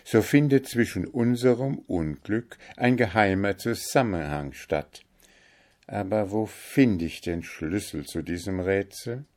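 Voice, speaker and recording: A man's voice: on the low side, measured pace, a little mellow, natural voice. A man voicing a young caliph under a spell, urgent and exclaiming, in a storybook reading. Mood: pondering. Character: young caliph turned stork, eager and impatient.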